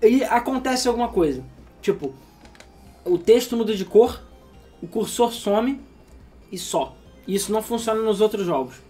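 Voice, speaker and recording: A man's voice: sits high, expressive, moderate pace, pauses often, dark tone, soft background music. A sleepy man co-hosting a casual gaming chat, rambling and swearing freely. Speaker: podcast co-host.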